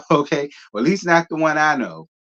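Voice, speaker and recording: A man's voice: a little high, animated, moderate pace, a bit bright, highs cut off. A man in his thirties hosting a casual live stream, reading viewer comments and answering with a sassy, drawling manner and frequent laughter. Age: 30s. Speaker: host reading live chat.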